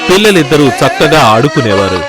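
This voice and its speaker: A man's voice: a little high, big pitch swings, brisk. A man reading scripted narration as the storyteller of a cartoon. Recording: loud music under the narration.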